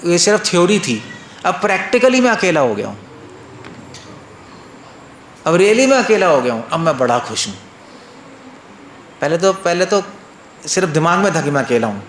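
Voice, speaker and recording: Jolly old laughing monk, put on by a guy telling the story, calm and amused, kinda echoey room. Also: a little high. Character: cheerful laughing old male Buddhist monk. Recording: roomy echo, faint noise.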